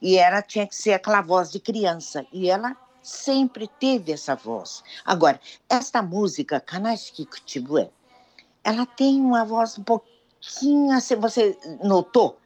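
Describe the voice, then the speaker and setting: A woman's voice: mid-range voice, lively intonation, a little slow, darkish tone. A woman co-hosting a radio show, telling stories about a singer with enthusiasm. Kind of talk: casual radio chat.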